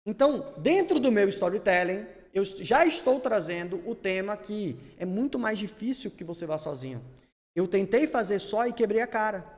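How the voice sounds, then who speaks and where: Energetic man in a reverberant hall. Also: sits high, moderate pace. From Salvador, Brazil. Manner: energetic, emphatic, rising bursts when he gets worked up. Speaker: speaking coach. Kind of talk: instructive conversation.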